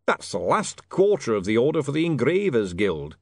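Male narrator as storybook tycoon: older man, gruff, shrewd, slow and blunt, swooping intonation, dry close recording. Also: mid-range voice, very animated, no room sound, natural voice. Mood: menacing. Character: gruff, shrewd, rough-spoken self-made older male businessman.

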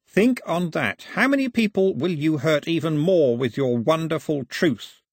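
A bitter, accusing elder from a storybook, acted by a man. He hisses slowly and scornfully. The voice is raised in pitch with a husky edge. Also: expressive, no echo, clean studio sound.

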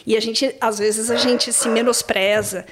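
Brazilian portuguese accent, woman in her thirties, lively storyteller, higher voice. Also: a little slow, a crowd in the background. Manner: animated storyteller, exclamatory. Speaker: exchange agent, podcast guest. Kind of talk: casual podcast interview.

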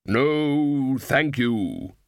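A man voicing Death, a calm, solemn male personification of death who speaks tersely and politely. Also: mid-range voice, very slow, dry recording, clean studio sound.

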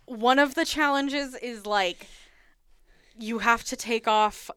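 A woman's voice: fairly high pitch, slow, a bit bright, smooth, dry recording. A woman hosting a podcast, giggling often as she casually recaps a reality show. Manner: giggly, frequent laughing. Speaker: podcast host.

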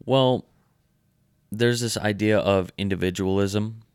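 A man's voice: fairly low pitch, fairly even intonation, takes it slowly, darkish tone, clear, resonant tone, no room sound, clean studio sound. A young American man in casual conversation, explaining sociology ideas in a lecturing way. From United States. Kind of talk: casual chat.

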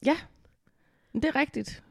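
A woman's voice: no echo, studio quality. A woman co-hosting a podcast in casual chat, upbeat and rambling with fillers, with a cold, at home in a living room. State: has a cold. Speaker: podcast co-host.

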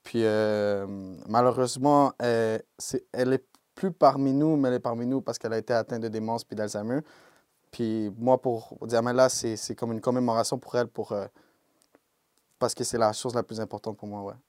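A young man with a Québécois French accent, a rapper answering interview questions in a relaxed way and dropping English slang. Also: medium pitch, normal speed, smooth, no echo, clean studio sound. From Quebec, Canada. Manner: laid-back, peppered with English slang like "yo" and "bro". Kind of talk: casual interview talk.

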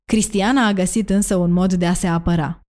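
A woman narrating an academic essay in a measured, even delivery. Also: on the low side. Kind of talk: reading an academic essay aloud.

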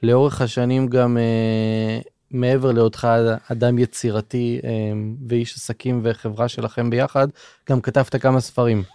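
A man hosting an interview, asking questions in a calm, measured way. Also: mid-range voice, smooth, dry recording, clean studio sound. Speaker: interviewer, podcast host.

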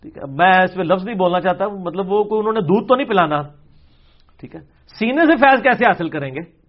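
A man answering audience questions as a religious scholar. He talks in an animated, sarcastic way and acts out the people he quotes in changed voices. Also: high-pitched, dull audio. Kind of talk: lecture-style Q&A session.

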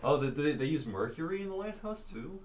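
A man chatting casually as a co-host, relaxed and thinking aloud, with lots of "like" and "I feel like". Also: on the high side, a little fast. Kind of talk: casual chat.

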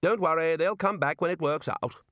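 A man's voice: a little high, moderate pace, sharp tone, dry recording, studio quality, pitched above the performer's own voice. A man voicing a hearty older chief wizard, cheerful, blunt and unflustered, in a fantasy storybook reading.

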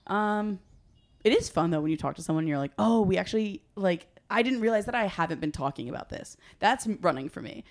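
A woman's voice: medium pitch, expressive, brisk. A young woman, a comedian guest, chatting casually on a podcast, laughing often and trailing off with filler words.

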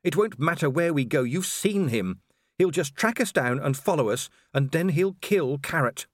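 A man's voice: on the high side, expressive, moderate pace, no room sound, clean studio sound, pitched above the performer's own voice. A man voicing a fierce, grim young female werewolf in an audiobook. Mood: bleak.

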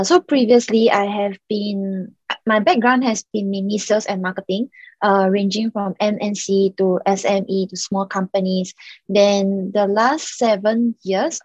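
A woman's voice: medium pitch, darkish tone, no room sound, dull audio. A young Singaporean woman, a startup founder, chatting casually as a podcast guest and leaning on "like" and "um". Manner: chatty, many "like" and "um" fillers.

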